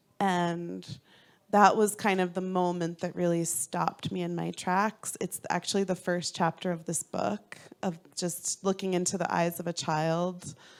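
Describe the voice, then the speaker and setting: The woman speaks slowly, at a fairly slow pace. Her pitch is fairly low and her intonation monotone and flat. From US Northeast, New Jersey suburbs. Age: 30s. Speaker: charity founder and author. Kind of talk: interview conversation at a book talk. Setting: library event with audience.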